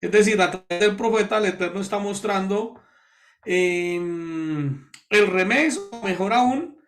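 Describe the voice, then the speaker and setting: A pastor from Colombia leading a Bible study, explaining words slowly and repeating key terms to his listeners. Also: high-pitched.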